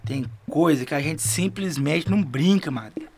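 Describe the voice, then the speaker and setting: A man's voice: a little high, moderate pace, breathy edge, soft background music. An actor with a rural northern Minas Gerais accent playing a folksy, superstitious male riverboat guide in an audio drama, talking colloquially. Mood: ominous. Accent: Brazilian, rural northern Minas Gerais. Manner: colloquial, animated storyteller.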